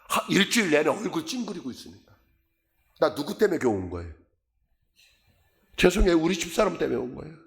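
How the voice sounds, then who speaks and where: Middle-aged male pastor, lively swooping pitch, call-and-response sermon delivery. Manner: animated preaching, quizzing the congregation with call-and-response questions; acts out skeptics in a high mocking voice.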